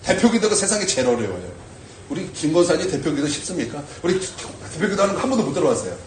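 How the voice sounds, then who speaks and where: A man preaching a sermon as pastor, animated and full of rhetorical questions to the congregation. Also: a little high, quick pace, recorded from a distance, a little hiss or hum. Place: church sanctuary. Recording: echoey church from afar.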